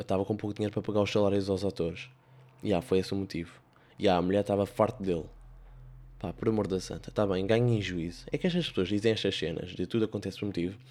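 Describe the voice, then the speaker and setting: A man's voice: fairly low pitch, darkish tone. A young man with a European Portuguese accent hosting a podcast, telling comic stories in a sarcastic, rambling, playful monologue. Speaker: podcast host.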